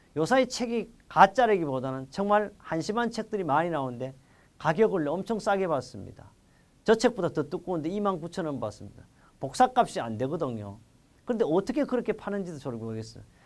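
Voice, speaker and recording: On a very clean recording with a silent background, a man with a high pitch speaks at a fairly quick pace, his voice making very wide pitch swings. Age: 60s. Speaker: exam prep lecturer. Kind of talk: lecture. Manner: energetic; animated.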